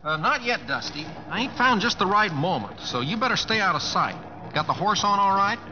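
Casting: earnest, drawling Oklahoma cowboy, rural accent, slightly high and very animated, vintage radio play. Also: male voice, brisk. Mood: evasive, sheepish. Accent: American, rural Oklahoma. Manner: drawling, folksy, hesitant, homespun grammar. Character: folksy, bashful, earnest Oklahoma cowboy performer and young sweetheart. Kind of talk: old-time American radio drama acting. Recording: dull vintage radio recording, faint music.

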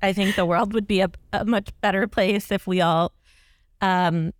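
A woman hosting a podcast, relaxed and easy to laugh, chatting and then closing the show. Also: mid-range voice, moderate pace, no room sound, clean studio sound. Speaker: podcast host. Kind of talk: casual chat and show outro.

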